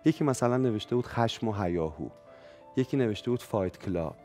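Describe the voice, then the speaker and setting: A man appearing as a guest on a television talk show, talking quickly and eagerly. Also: lowish voice, expressive, warm tone, faint music behind. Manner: fast, eager talker. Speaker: guest psychologist.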